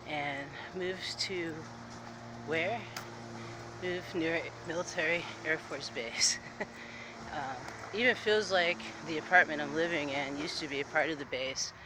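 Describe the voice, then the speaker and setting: A man chatting casually while walking outdoors, rambling with restarts and a bit out of breath. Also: fairly high pitch. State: slightly out of breath. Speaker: vlogger. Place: outdoors on streets near an air base. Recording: noisy outdoor street with traffic. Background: traffic and urban ambience.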